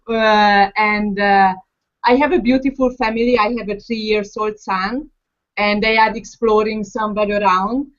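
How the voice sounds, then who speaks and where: A woman's voice: mid-range voice, steady tone, measured pace. Woman with a Hungarian accent, hesitant. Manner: hesitant, many fillers. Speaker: guest mother. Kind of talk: casual call self-introduction. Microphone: video call. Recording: lo-fi call audio.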